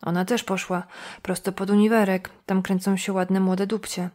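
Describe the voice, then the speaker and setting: A brash, street-smart woman who sneers and speaks bluntly and coarsely, as a woman reads her in an audiobook. Her pitch sits in an ordinary middle range. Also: level tone, normal speed, darkish tone, lightly acted. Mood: mocking. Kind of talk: audiobook dialogue.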